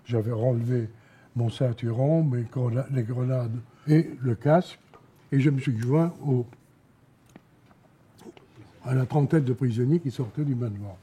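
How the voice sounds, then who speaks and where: An elderly man gives spoken testimony in a very dark, muffled timbre with a husky grain. He speaks haltingly, in short phrases, often repeating a word before he carries on. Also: mid-range voice. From Alsace, France. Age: elderly, around 90. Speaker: war veteran giving eyewitness testimony. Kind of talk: spoken testimony, recounting memories.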